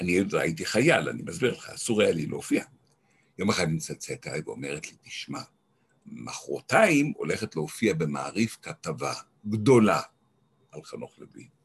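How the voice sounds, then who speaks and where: Moderately paced speech breaks into long, frequent pauses while the loudness swings widely. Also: man. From Tel Aviv, Israel. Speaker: theatre professor and poet. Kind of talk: interview.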